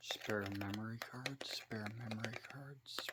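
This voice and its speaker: Soft-spoken delivery at a very slow pace. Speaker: ASMR creator and photographer. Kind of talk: ASMR show-and-tell.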